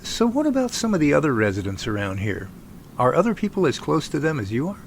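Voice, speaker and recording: A man playing an eager, friendly researcher in an audio drama, with a creaky voice and a chatty, enthusiastic manner. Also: fairly high pitch, huge pitch swings, fast, slight background noise, heavily acted. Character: eager, friendly Sasquatch researcher named Jerry. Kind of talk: amateur audio drama acting.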